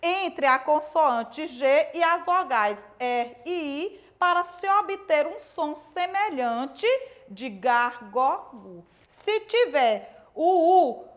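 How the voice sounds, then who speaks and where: This is a woman with a rather high voice teaching a recorded lesson to young pupils. She goes over each point more than once, sounds out syllables slowly, and keeps checking that the children follow along. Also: expressive. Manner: explains slowly and repeats points, asking "certo?" and "né?" often.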